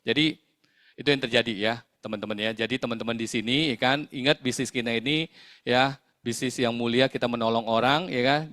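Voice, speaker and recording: A man's voice: medium pitch, fairly bright tone, no echo, clean studio sound. A man, a sales team leader giving a motivational talk to his team, full of fillers and tag questions.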